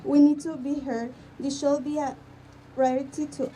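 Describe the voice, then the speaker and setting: A young woman from Guatemala with a Spanish accent, giving an earnest rally speech as a student in halting English. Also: sits high, level tone, mellow. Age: young adult. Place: outdoor school campus. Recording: distant mic, faint outdoor noise.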